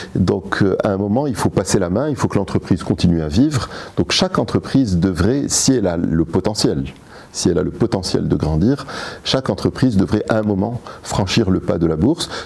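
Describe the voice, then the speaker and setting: A man with a plain, everyday voice, moderate pace and lively intonation. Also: fairly low pitch for a man. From Morocco. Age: 60s. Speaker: entrepreneur. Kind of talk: interview.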